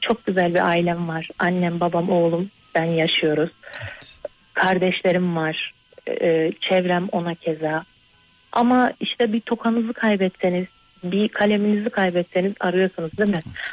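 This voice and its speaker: A woman's medium-pitched voice with fairly even intonation, at a fairly slow pace, with music in the background. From Kayseri, Turkey. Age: 30s. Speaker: caller, widow. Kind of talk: emotional phone call to radio show.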